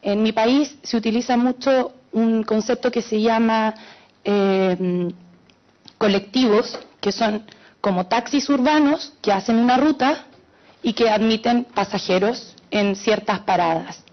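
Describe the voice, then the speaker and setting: A woman's voice: fairly high pitch, unhurried. A woman from Chile with a Chilean accent, speaking from the audience and explaining her point earnestly with many hesitations. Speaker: audience member asking a question. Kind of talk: audience comment at a panel. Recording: dull lo-fi conference audio.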